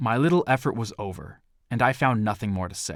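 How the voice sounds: What you hear is a natural reading voice.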